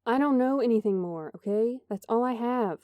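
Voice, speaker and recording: An actress playing a guarded perfectionist young office worker in an audio drama, measured, articulate and earnest. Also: female voice, fairly high pitch, lively intonation, no echo, phone-quality sound, lightly acted. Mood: frustrated.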